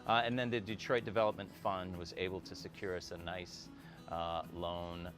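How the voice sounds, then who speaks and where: A middle-aged man from Iraq, a small business owner, speaking reflectively in a documentary interview with many pauses and fillers. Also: low voice, flat delivery. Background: background music.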